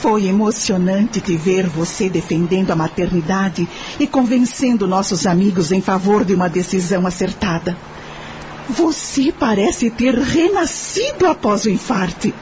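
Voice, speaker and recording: An actress playing a gentle, supportive middle-aged Brazilian wife in a radio soap, with an earnest, tender delivery. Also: female voice, medium pitch, lively intonation, unhurried, a little hiss or hum, lightly acted. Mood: proud, tender.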